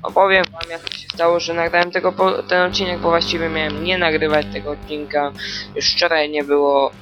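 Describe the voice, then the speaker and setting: A man with a somewhat high-pitched voice rambles through a solo podcast. He talks loosely and hesitantly, restarting thoughts and filling pauses. Faint music plays in the background. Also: a bit bright. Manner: hesitant, meandering, with many fillers and restarts. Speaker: podcast host.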